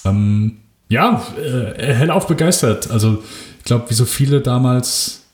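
A man's voice: mid-range voice, lively intonation, measured pace, a little mellow. A man in his thirties co-hosting a casual film podcast, rambling with many fillers and restarts. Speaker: podcast co-host. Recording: roomy echo.

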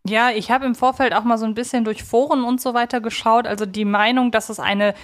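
A woman's voice: on the high side, fairly even intonation, fairly quick. A woman in her thirties talking as a podcast co-host, thinking aloud in long, winding, reflective sentences. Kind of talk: conversational podcast discussion.

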